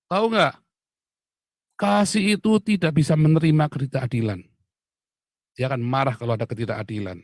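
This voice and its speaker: Male commentator, fairly high voice, dry close sound, furious shouting rant. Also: dry recording. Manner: shouting, insulting, emphatic repetition. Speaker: online commentator. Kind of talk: angry political rant.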